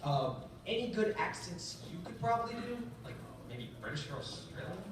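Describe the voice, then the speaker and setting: A man in the audience asks the panel a question, hesitant and tentative. His slightly high voice comes from far away across a reverberant convention hall, with noticeable room noise around it. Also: big pitch swings, moderate pace. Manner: hesitant, starts with "uh" and "um". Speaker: audience member asking questions. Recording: echoey hall, far from camera.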